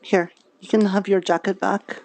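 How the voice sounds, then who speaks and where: A woman's voice: mid-range voice, level tone, normal speed, a little mellow. A woman talking casually in character during an online game roleplay, a little hesitant in how she puts things. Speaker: streamer and roleplayer.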